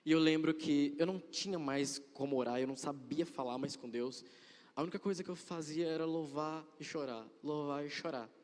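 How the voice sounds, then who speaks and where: An earnest young man gives a religious testimony, often repeating his phrases for emphasis. His voice sits fairly high for a man. The recording carries a long hall reverb. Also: brisk, darkish tone. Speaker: church member giving testimony.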